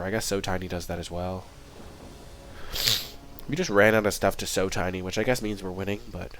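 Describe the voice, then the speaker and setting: A young man with a fairly low voice, stuffy and congested from a cold. He talks through his own game in a relaxed, wry way, thinking out loud. A faint hiss of background noise sits under his voice. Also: poor audio. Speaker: gaming video host. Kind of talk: casual live commentary while playing.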